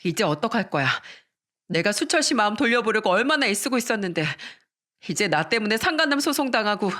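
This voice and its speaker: A narrator voicing a furious, shrill wife who screams blame at her own mother in a dramatized story reading. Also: very animated, normal speed, fairly bright tone. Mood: furious screaming.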